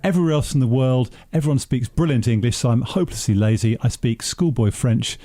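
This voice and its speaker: Brisk, blunt man with a mellow voice. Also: medium pitch. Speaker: studio guest, businessman. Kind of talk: casual radio discussion. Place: radio studio.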